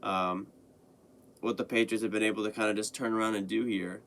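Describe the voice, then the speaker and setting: Hoarse young man rambling about football. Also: fairly low pitch, little pitch movement, fairly quick, a bit bright. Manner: loose, rambling, with many fillers and restarts. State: hoarse after illness. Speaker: podcast host. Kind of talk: casual sports commentary monologue.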